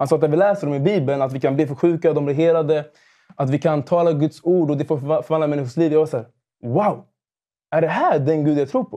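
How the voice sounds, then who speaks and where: A man's fairly high voice with a dark, mellow tone, fairly even intonation and a fairly quick pace, over a quiet background. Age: 20s. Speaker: youth leader. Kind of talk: testimony. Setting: TV studio.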